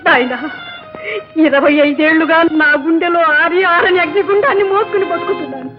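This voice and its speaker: A woman's voice: very high-pitched, brisk. An actress playing a grieving mother who pleads tearfully with her son, in an old film melodrama. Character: grieving mother hiding her son's parentage. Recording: dull old film soundtrack with music.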